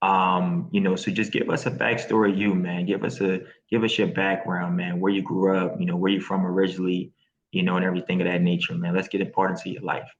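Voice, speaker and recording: A man's voice: deep voice, little pitch movement, fast, muffled recording, a little hiss or hum. A man hosting an interview, laid-back and friendly as he prompts his guest. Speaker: host. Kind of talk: casual interview talk.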